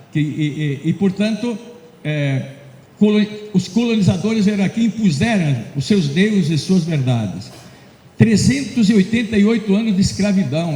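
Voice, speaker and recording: A man talks at a high pitch with lively intonation. His pace is moderate. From southern Brazil (Rio Grande do Sul). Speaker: education professor. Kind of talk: keynote lecture. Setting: conference hall with audience. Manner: hesitant, many fillers and repetitions.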